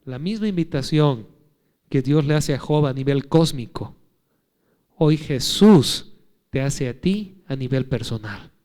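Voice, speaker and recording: A man in his thirties, a pastor, preaching an earnest sermon. He moves between emphatic, raised lines and soft, hushed ones, tells stories conversationally and puts direct questions to his listeners. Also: medium pitch, lively intonation, measured pace.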